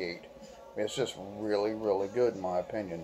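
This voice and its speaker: At a moderate speed a man talks, with faint music behind him. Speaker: beer reviewer. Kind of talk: casual review vlog chat. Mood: relaxed, enthusiastic. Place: home room. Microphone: phone near.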